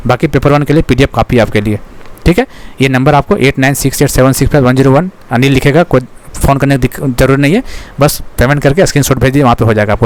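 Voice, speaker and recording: A man teaching an exam-prep lesson, repeating his own questions to the class and filling with frequent checks like "okay". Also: medium pitch. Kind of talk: fast exam-prep lecture.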